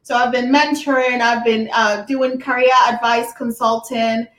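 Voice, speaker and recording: Upbeat high-pitched woman from ghana, chatting as a guest on a call, roomy echo. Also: level tone, moderate pace. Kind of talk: casual interview chat. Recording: echoey room.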